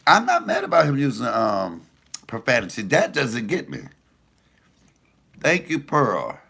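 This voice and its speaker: A deep-voiced middle-aged man riffs to his livestream audience. His voice has a gravelly edge and swings widely in pitch as he talks, loose and profane. The sound is a plain phone or webcam capture. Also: a little slow. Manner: animated, loose and profane storytelling. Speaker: comedian hosting a livestream. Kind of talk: casual livestream chat with viewers.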